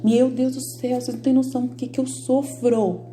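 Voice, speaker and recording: A woman's voice: on the high side, little pitch movement, a little fast, dark tone, soft background music. A Brazilian woman giving informal, emphatic devotional teaching. She speaks straight to her viewers and repeats her points over and over. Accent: Brazilian Portuguese. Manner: emphatic and repetitive, addresses viewers directly. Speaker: Catholic lay teacher.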